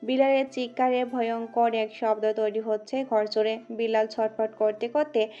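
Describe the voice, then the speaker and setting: A woman narrating a scripted audio story in a steady, dramatic way. Her voice sits slightly high, with a dark, mellow tone. The recording is dull and muffled, with soft music underneath. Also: moderate pace.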